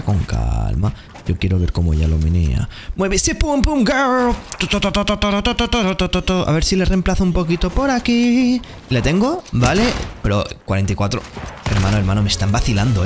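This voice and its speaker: Fast-talking young Spanish gamer. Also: male voice, medium pitch, background noise. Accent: Spain Spanish. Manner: excitable, swings from muttering to shouting. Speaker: gaming streamer. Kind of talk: live gameplay commentary.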